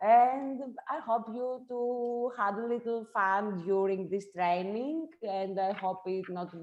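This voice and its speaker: A woman's very slow speech at a fairly high pitch, in a Greek accent. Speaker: trainer. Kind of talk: workshop wrap-up, casual closing remarks. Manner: hesitant, many fillers.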